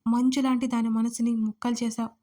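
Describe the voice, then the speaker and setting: A woman's voice: on the high side, level tone, a little fast, warm tone, natural voice. A woman voicing a stern old grandmother. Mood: sorrowful. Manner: scolding, reproachful. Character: stern old grandmother, scolding yet loving.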